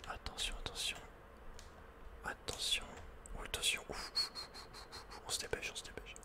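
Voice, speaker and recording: A man whispering playful, casual ASMR commentary over a video game in a breathy, unvoiced voice, close to the microphone. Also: normal speed.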